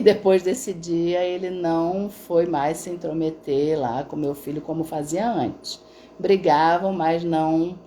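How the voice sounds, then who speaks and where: A woman's voice: on the low side, warm tone, slight background noise. A middle-aged woman therapist talking casually on a live stream, telling stories with frequent tag questions. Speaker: integrative therapist.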